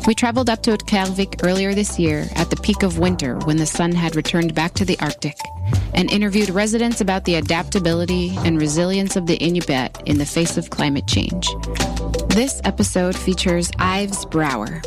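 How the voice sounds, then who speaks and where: A woman reads a scripted episode introduction in a measured, formal voice. Her pitch sits somewhat low, and music plays clearly underneath her. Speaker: podcast narrator. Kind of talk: scripted narration. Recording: narration over music.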